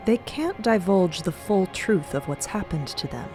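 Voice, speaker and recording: A man's voice: high-pitched, expressive, unhurried, a little mellow, faint music behind. A man delivering scripted audio drama narration as one of the storytellers.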